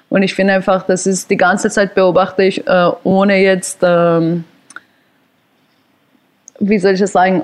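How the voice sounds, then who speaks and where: A woman speaks in a relaxed conversational interview. She is reflective and often pauses to find the right word. Her voice sits at an ordinary middle pitch. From Iran. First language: Persian. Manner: reflective, searching for words, laughs often. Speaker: guest musician.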